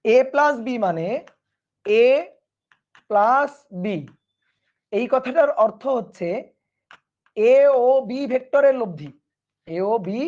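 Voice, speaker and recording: A woman's voice: fairly high pitch, darkish tone, dull audio. A woman physics teacher, giving an online class lecture, repeating key phrases and checking understanding with questions.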